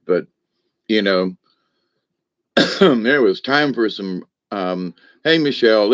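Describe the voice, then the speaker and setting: The audio is dull as a lowish-voiced man, livestreaming in the role of a shaman, wanders through spiritual musings. He keeps it folksy and often breaks off to address his viewers.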